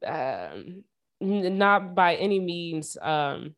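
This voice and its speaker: A young woman podcast host telling stories from her childhood in a casual, animated way, full of slang and fillers. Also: fairly low pitch, drawn-out words. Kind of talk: casual chat.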